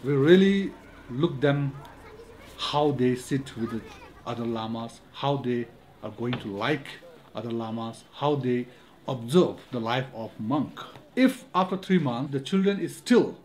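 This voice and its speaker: A man's voice: mid-range voice, lively intonation, a little slow, a little mellow. Earnest man explaining. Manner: earnest, explanatory, non-native grammar. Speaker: monastery school administrator. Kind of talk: documentary interview. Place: office indoors.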